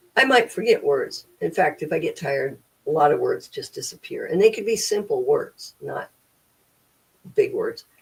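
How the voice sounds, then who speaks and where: A woman speaks at a moderate pace. Her loudness swings widely. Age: 60s. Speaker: brain health and wellness advocate. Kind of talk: interview conversation. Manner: halting, with repetitions and filler words.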